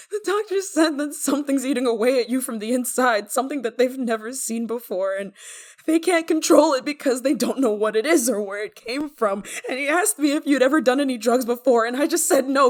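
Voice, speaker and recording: A high-voiced woman acted by a female performer plays an obsessive yandere lover in an emotional audio roleplay. She is desperate and guilt-ridden, pleading in halting phrases that often stumble and stammer. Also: lightly acted. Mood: anxious, guilty. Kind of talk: ASMR roleplay monologue, emotional acting.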